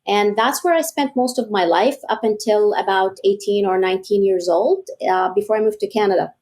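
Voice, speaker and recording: A woman in her forties, born in Egypt, answers interview questions in a steady, considered manner. Her voice sits at a middling pitch. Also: normal speed. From Egypt, raised in Kuwait. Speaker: guest, real estate broker. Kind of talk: interview conversation.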